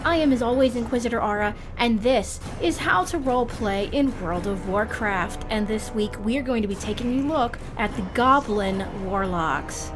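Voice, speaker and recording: A woman hosting a guide series, reading scripted narration in a measured, theatrical manner with formal phrasing. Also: a little high, music in the background. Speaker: host of a roleplay guide series.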